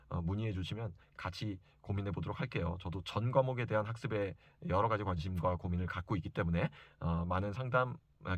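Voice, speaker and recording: A man with a voice on the low side, recorded dry, gives parents an informal educational talk. He is a private reading and study coach who speaks emphatically and insistently, repeating key points for stress.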